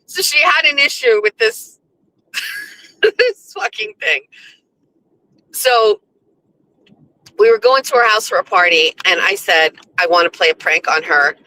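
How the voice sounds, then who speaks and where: A young woman with a hoarse voice, telling a story on her own show in a casual, chatty way, laughing often and swearing freely. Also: medium pitch, lively intonation, measured pace, pauses often, pushed and bright, rough recording. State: hoarse from screaming. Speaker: podcast host.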